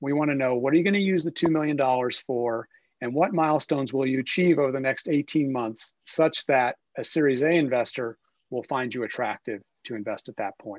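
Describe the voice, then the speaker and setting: The speech moves at a fairly quick pace with ordinary pitch variation, in a dry, close sound with no echo against a quiet background. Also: man, fairly high pitch for a man. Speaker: venture capital investor. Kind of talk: conference presentation. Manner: fast.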